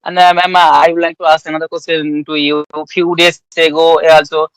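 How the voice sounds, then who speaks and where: A man from West Bengal with an Indian accent, asking polite, halting questions with many restarts on an English practice call. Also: on the high side, little pitch movement, a bit bright, smooth, no room sound, poor audio. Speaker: conversation partner asking questions. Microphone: online call.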